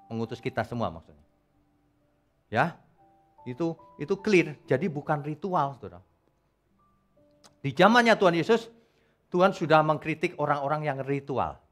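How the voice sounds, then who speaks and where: A man preaching a sermon at a church service, emphatic and animated, with loud peaks. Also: a little high, moderate pace, pauses often, faint music behind. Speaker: pastor.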